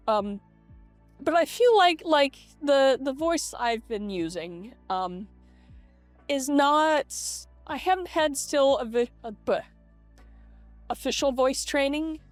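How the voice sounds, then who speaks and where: A woman talking casually and haltingly in a personal vlog, reflecting as she goes, her voice processed by a voice changer to sound more feminine. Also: high voice, expressive, no echo. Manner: hesitant, halting, self-reflective. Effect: voice changer making the voice feminine. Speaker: vlogger. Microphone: webcam setup. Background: lo-fi video game music.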